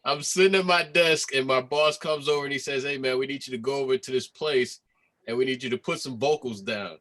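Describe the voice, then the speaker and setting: A man's voice: medium pitch, fairly quick, a bit bright. A man in his forties, a guest designer, telling a funny story and laughing along over a video call from home. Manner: amused, laughs while telling stories. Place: home room. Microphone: laptop mic on video call.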